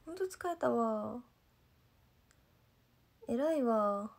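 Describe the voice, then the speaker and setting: A woman's voice: a little high, expressive, very slow, vocal fry. A young woman from Gifu, speaking mostly standard Japanese with a light Gifu dialect, chatting loosely with fans on a livestream and reading their comments, often losing her thread. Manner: chatty and rambling, loses her thread, fills with "nanka". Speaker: idol trainee livestreaming to fans. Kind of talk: casual livestream chat reading viewer comments.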